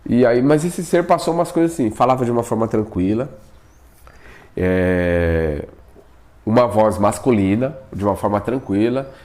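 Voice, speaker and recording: Casting: man, casual storytelling vlogger, animated, keeps asking and answering his own questions. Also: lowish voice, moderate pace. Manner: animated, acts out his own past pleas, often asks himself "por quê?". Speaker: vlogger telling a personal experience.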